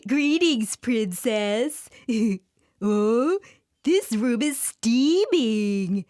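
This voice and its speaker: A woman's voice: on the high side, animated, a little mellow, no room sound, studio quality. A woman voicing a cheerful, simple-minded, giggly young man in a children's storybook tale. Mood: eager. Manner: giggly, slow, dim-witted.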